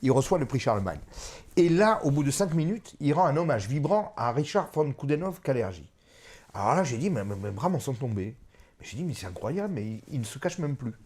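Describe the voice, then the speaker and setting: A man's voice: mid-range voice, sing-song, fairly quick, a little mellow, slightly rough. A man in his fifties, an author, speaking emphatically in an interview discussion, often repeating himself and hesitating. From France. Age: 50s. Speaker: author and guest.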